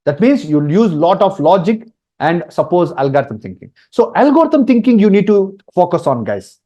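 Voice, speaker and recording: A man's voice: high-pitched, muffled recording. A man from India with a Telugu accent, a native Telugu speaker, teaching a webinar informally as an instructor, repeating points emphatically and checking in often. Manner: repetitive, emphatic, checks in with "okay" and "right".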